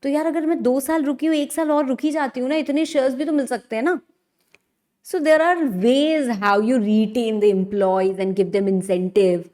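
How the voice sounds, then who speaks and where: Female law lecturer, Indian accent, higher-pitched voice, conversational teaching with lively rhetorical questions. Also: measured pace. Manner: animated teacherly, asks and answers own questions, frequent check-ins. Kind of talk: conversational online lecture in mixed Hindi and English.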